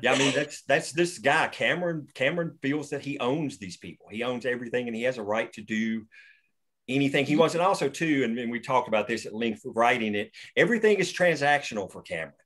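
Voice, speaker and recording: Man, writer hosting a table read, explaining, restarts a lot, mid pitch. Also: lively intonation, brisk, fairly bright tone. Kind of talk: casual discussion after a table read.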